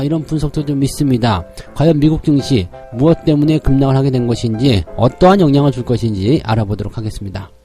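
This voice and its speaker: A man with a slightly hoarse voice giving a daily stock market briefing, explaining each point step by step. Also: medium pitch, warm tone. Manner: explanatory, frequent "자" openers.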